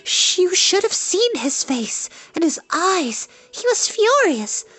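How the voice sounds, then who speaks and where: A reader voicing a bold, spirited young princess who speaks quickly and indignantly. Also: very high voice, very animated, sharp tone, pitched above the performer's own voice, heavily acted. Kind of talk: audiobook character voice.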